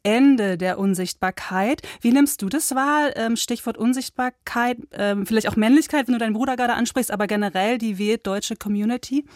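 A woman hosting a radio show, introducing her guest and asking long, measured questions. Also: on the high side, darkish tone, no echo, studio quality. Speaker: radio host. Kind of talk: radio interview.

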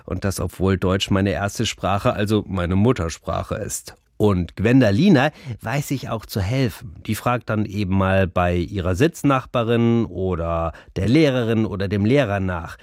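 A man's voice: lowish voice, measured pace, few pauses, darkish tone, no room sound, studio quality. A man hosting and narrating a children's program, explaining things in simple, friendly words for a young audience.

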